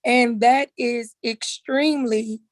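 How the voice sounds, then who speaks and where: A woman with a raspy, hoarse voice that sits a little high, speaking from her living room over a video call. She talks earnestly and steadily, pausing on "um" as she makes her point. The sound is dry and close. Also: fairly even intonation, dry recording. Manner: earnest, measured, with frequent fillers. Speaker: council member. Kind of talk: virtual meeting comment.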